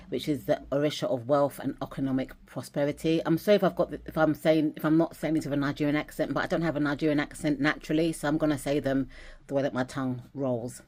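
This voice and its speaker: An English woman with a low voice shows off her dolls and journal in a relaxed, chatty vlog. She rambles a bit, doubling back, restarting, and using fillers as she goes.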